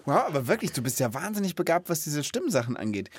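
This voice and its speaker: A man hosting a podcast in lively casual chat, eager, exclaiming and laughing often. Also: a little high, quick pace, slightly rough. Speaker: podcast host.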